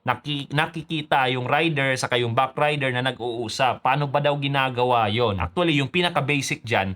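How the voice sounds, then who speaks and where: A Filipino man speaks in a medium-pitched voice, presenting like a motovlogger. He explains things in a casual, conversational tutorial style. He slips easily between his language and English phrases. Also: moderate pace, fairly bright tone.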